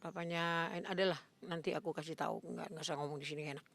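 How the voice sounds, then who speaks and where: An older woman in a casual interview, animated and acting out her reactions, with frequent coughs. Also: low-pitched, fast, vocal fry.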